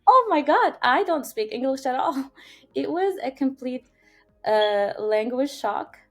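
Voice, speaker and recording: A woman in her thirties, raised in Syria, speaking English in a fairly high voice. She tells her story earnestly and with feeling, often restarting her sentences and filling pauses. Soft music plays faintly behind her. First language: Arabic. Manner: earnest, animated, many fillers and restarts. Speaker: podcast guest. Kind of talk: conversational interview storytelling.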